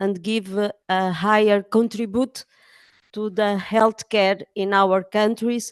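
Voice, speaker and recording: In a Portuguese accent, a woman speaks at a medium pitch with monotone, flat intonation, the sound dry and close with no echo. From Portugal. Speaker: journalist and editor. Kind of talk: conference talk. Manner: halting, many fillers.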